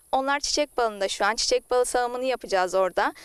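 A woman at a fairly quick pace with lively intonation, in a dry, close sound with no echo against a quiet background. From Turkey, Afyon Emirdağ. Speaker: beekeeper. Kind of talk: interview.

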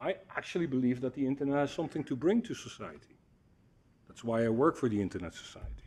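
A man talking at a very fast pace with a Dutch accent and very wide pitch swings. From Netherlands. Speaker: internet technology executive; keynote speaker. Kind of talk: keynote talk. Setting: conference stage with audience. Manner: halting, many fillers.

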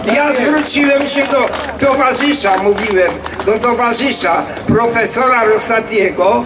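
Against noticeable background noise, a man talks fairly slowly in an extremely high pitch with fairly even intonation. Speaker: audience member. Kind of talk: public question. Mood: critical, polemical. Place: street. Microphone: handheld.

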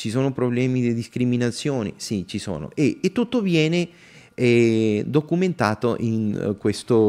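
With a dark, mellow tone, this man speaks at a medium pitch and a fairly slow pace, his intonation lively. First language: Spanish (speaking Italian). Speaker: human rights volunteer. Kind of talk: radio interview. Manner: halting.

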